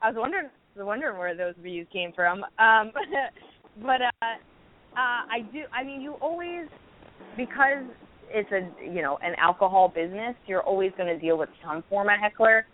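A woman in her thirties, a stand-up comedian, telling stories candidly with quick restarts in a casual interview. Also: mid-range voice, animated. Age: 30s. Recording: tinny phone-like line with faint noise.

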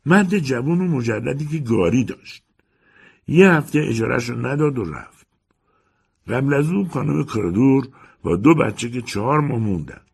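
A man voicing a shrewd, matter-of-fact middle-aged landlady in an audiobook story, speaking in a brisk, businesslike way. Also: medium pitch, expressive, creaky, darkish tone, husky, pitched above the performer's own voice.

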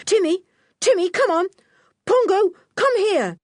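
A woman's voice: very high-pitched, unhurried, no echo, clean studio sound, voice pushed up. A woman voicing a plucky boy who calls out urgent orders in an adventure storybook. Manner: excited, commanding.

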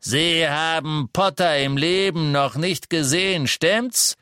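A man doing a rough, bellowing dark wizard. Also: on the high side, a little slow, no room sound, studio quality, pitched above the performer's own voice. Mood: menacing. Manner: bellowing, sneering threats. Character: rough, brutal male dark wizard, menacing.

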